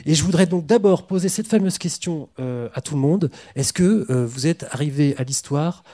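A man hosts a panel of historians with a fairly high but mellow voice. He is chatty and makes self-deprecating asides as he hands questions around. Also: moderate pace. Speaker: host, moderator. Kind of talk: panel discussion.

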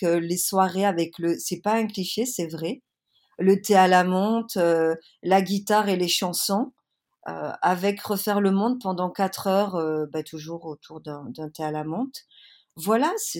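Earnest woman guest, low voice. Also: a little slow. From France. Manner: warm, earnest, many hesitations. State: has a cold. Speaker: interview guest, activist. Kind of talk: casual interview.

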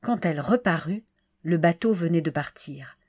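A woman reading a classic short story aloud as an audiobook, measured and expressive. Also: fairly low pitch, breathy edge, dry recording, clean studio sound. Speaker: reader.

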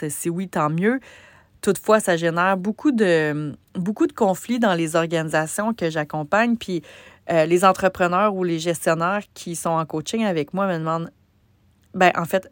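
A woman with a Québécois French accent, a business coach hosting a solo podcast, talking conversationally with many pauses and restarts. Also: on the low side, no echo.

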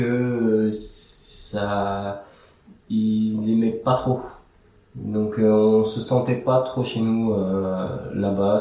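A young man from Iraq, whose first language is Aramaic, answers an interviewer's questions casually and hesitantly, full of fillers and restarts. His voice is medium-pitched and mellow but sounds very echoey and far from the mic.

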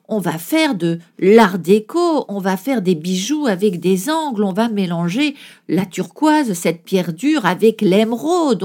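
A woman's voice: mid-range voice, a little mellow. A woman author, a guest on an interview show, telling vivid stories with exclamations. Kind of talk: radio interview storytelling.

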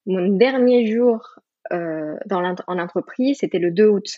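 A woman's voice: medium pitch, unhurried, dry recording, muffled recording. Mexican-accented woman, hesitant and thoughtful. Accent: Mexican Spanish. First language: Spanish. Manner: thoughtful, many restarts and fillers, laughs easily. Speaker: guest, yoga teacher. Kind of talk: podcast interview.

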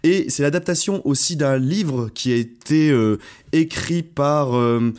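A man's voice: fairly high pitch, a little slow, darkish tone. Playful young man co-hosting a podcast. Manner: playful, stumbles over names. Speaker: podcast co-host. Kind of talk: casual chat.

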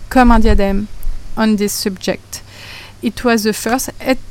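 A woman's voice: fairly high pitch, a little mellow, smooth, poor audio. A woman in her thirties with a French accent, hosting a podcast and earnestly sharing a personal story, reflective and a little hesitant. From France. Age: 30s. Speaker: podcast host.

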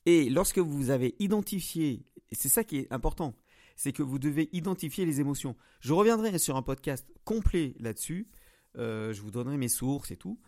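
Gravelly-voiced man hosting a podcast. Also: fairly high pitch, expressive, moderate pace, darkish tone, no room sound, clean studio sound. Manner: hesitant, many fillers and restarts; addresses listener directly. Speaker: podcast host. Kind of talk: solo podcast monologue on emotions.

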